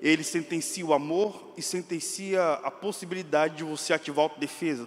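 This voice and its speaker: The man talks at a moderate speed with ordinary pitch variation while noticeable noise sounds in the background. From Brazil, Brasília. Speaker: pastor. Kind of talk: sermon.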